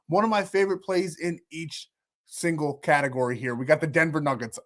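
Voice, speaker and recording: A man hosting a sports betting channel, talking through his picks in a rambling, confident way while sick and losing his voice. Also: a little high. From New York. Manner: rambling, confident, self-correcting. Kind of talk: casual betting picks talk.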